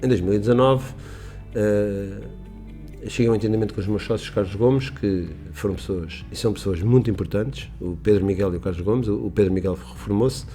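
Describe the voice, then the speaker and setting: A middle-aged businessman being interviewed on local radio. He talks quickly in a low, dark, mellow voice, rambling and emphatic. Faint music sits under the studio sound. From Portugal. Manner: rambling, emphatic, with restarts and quoted dialogue. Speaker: business owner guest.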